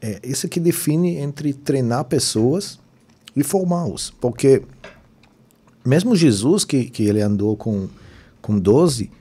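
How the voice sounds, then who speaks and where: Israeli-accented male guest, mellow husky tone, explains things and checks in often. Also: medium pitch, animated, slow pace. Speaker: podcast guest. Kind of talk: casual chat.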